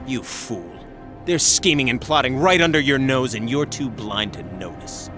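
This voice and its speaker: An actor playing a bitter, paranoid rogue general in a video game, speaking in an intense, accusing way. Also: male voice, mid-range voice, normal speed, music in the background, natural voice. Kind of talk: video game cutscene acting.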